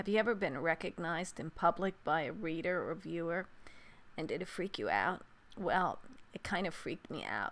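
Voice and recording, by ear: Putting on a character voice, a woman speaks creakily at a fairly low pitch and a moderate pace.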